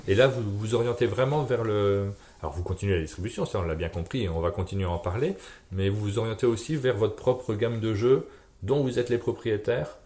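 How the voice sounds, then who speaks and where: A man's voice: on the low side, brisk, a little mellow. A man hosting an interview show, asking questions and giving frequent affirmations. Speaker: podcast host.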